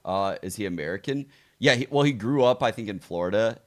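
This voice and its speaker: A man's voice: fairly low pitch, animated, fairly quick. A man co-streaming an esports match, talking in a casual, laid-back way, swearing and laughing as he reacts.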